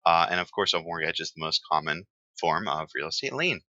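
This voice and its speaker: A very low-pitched man explains exam vocabulary in a loose, friendly lecture and fills his pauses with lots of "uh" and "um." His voice has a very bright, forceful edge. The recording is dry and a little dull. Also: no room sound. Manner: relaxed, chatty, many fillers. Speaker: exam prep teacher.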